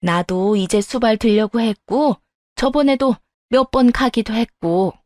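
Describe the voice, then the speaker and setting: A woman voicing a selfish middle-aged mother-in-law who shouts and then pleads, in a dry close recording. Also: fairly high pitch, unhurried, dry recording, natural voice. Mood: pleading. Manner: yelling, then pleading and whiny.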